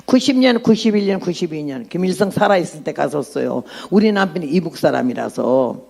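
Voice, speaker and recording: Gravelly-voiced woman in her nineties preaching. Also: sits low, lively intonation, fairly quick, darkish tone. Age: 90s. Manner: blunt, outspoken, laughs at her own jokes, asks the audience questions. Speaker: missionary preacher. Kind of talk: sermon and testimony to a congregation.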